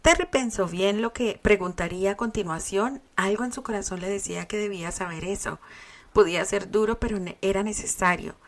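Woman narrator reading a fan story, plain steady delivery. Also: mid-range voice, fairly quick. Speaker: reader.

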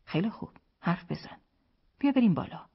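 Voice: medium pitch, very animated, gravelly, slightly rough, muffled recording, voice pushed up, exaggerated voice. An audiobook narrator voicing a wary young village husband who answers in a guarded, evasive way. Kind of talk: audiobook character reading.

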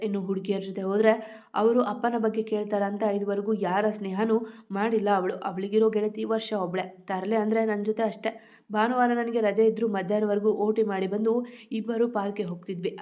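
A woman's voice: mid-range voice, highs cut off, natural voice. A woman voicing a weary, self-sacrificing older mother. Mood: wistful.

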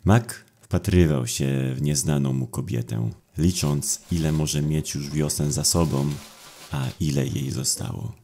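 Male audiobook narrator, extremely low voice, slow, brooding, dramatic horror storytelling, deliberate pauses. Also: dark tone.

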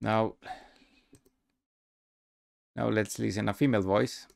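Low, gravelly man presenting a demo. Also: fairly even intonation, slow pace, darkish tone, dry recording, studio quality. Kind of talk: casual screen-recorded tutorial narration.

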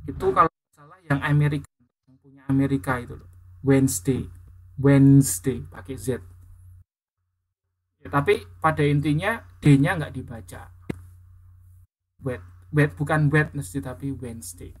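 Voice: mid-range voice, unhurried, long pauses. A teacher from Indonesia giving an English lesson, patiently explaining words and correcting pronunciation, repeating them again and again.

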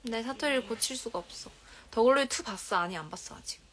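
A woman's voice: a little high, animated, fast. A young woman in her twenties with a Korean regional accent, chatting casually on a livestream from a dim bedroom, reading comments aloud and often dropping into whispers and giggles. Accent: Korean regional dialect. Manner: soft-spoken, drifts into whispers and giggles. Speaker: idol livestream host. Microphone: phone held at arm's length.

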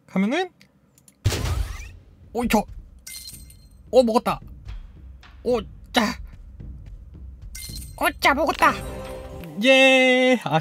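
A woman casually commenting on a mobile game she is playing, cheering the robot on and voicing sound effects as she goes. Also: medium pitch. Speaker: gaming YouTuber.

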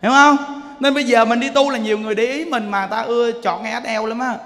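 High-voiced Southern Vietnamese monk preaching. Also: male voice, fast talker, big-room sound. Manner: lively, joking storyteller addressing the audience. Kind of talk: dharma talk sermon. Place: temple lecture hall.

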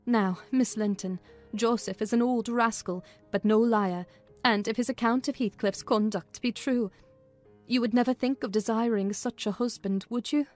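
A woman's voice: on the high side, fairly even intonation, normal speed, a little mellow, soft background music. A woman reading a classic novel as scripted, dramatic audiobook narration.

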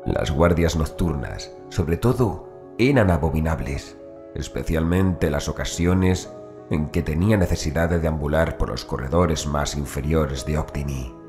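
A man narrating a horror audiobook, reading scripted prose in a measured, formal way. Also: a bass voice.

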